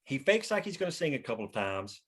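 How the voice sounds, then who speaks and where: Guy narrating screenplay stage directions at a table read, average pitch. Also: big pitch swings, fast talker, fairly bright tone, slightly rough.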